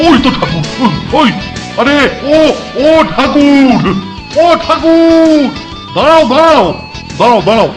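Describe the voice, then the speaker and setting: High-pitched gluttonous cartoon superintendent. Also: male voice, very animated, measured pace, music in the background, full character voice. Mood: urgent, wheedling. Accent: West Bengal Bengali. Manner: humming, babbling, repeating words greedily. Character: gluttonous, excitable middle-aged male hostel superintendent. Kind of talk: exaggerated Bengali cartoon voice acting.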